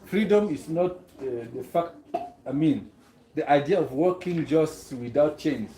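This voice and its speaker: A man's voice: on the high side, animated, a little slow, dark tone, slight background noise. A man from Cameroon, speaking earnestly to a gathering as a guest and often posing rhetorical questions. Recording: roomy echo.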